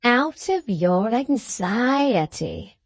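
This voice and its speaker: A woman voicing a malicious, gleeful dwarf husband from a storybook, taunting with drawn-out, emphatic words. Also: medium pitch, big pitch swings, darkish tone, no echo. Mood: mocking, spiteful.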